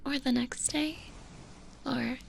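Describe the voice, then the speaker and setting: Casting: woman as gentle, yearning zombie girl for ASMR roleplay; breathy whisper, higher-pitched, hesitant and extremely unhurried. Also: steady tone, a little hiss or hum, full character voice. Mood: soothing, tender. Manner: slow, hesitant, tender delivery with long pauses. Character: gentle, lonely stitched-together zombie girl, tender and yearning.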